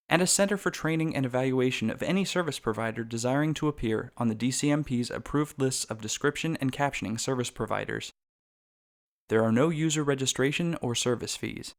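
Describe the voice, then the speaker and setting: Man reading scripted audio description. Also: medium pitch. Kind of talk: scripted narration.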